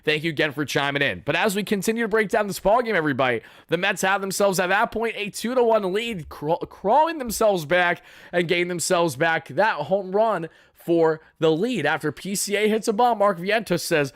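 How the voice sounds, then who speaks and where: A young man, hoarse from yelling, chatting through a baseball game recap for live viewers in a casual, boastful way. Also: high voice, expressive, moderate pace, no echo, clean studio sound. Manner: chatty, boastful fan banter. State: raspy from yelling. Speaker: sports fan channel host.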